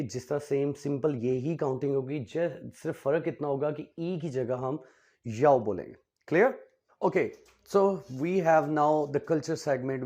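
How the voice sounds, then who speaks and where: A man teaching a basic language lesson, switching between Urdu and English and drilling syllables slowly, with frequent check questions to learners. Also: mid-range voice, mellow. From Pakistan.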